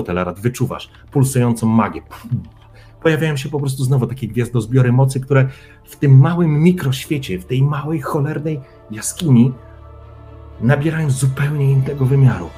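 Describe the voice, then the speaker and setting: A man's voice: mid-range voice, darkish tone. A man running a tabletop role-playing session as game master, narrating immersively in the second person with dramatic build-up.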